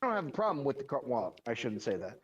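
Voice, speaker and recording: A man's voice: medium pitch, sing-song, quick pace, slightly rough. A man co-hosting a casual livestream, bantering bluntly and reading out viewer comments. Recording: distant, slightly muffled microphone.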